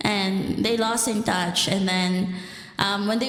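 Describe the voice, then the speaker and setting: A woman with a Filipino accent speaks at a medium pitch in an animated tone. Audible room echo and noticeable background noise surround her voice. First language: Tagalog. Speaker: streamer. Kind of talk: casual livestream chat. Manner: halting.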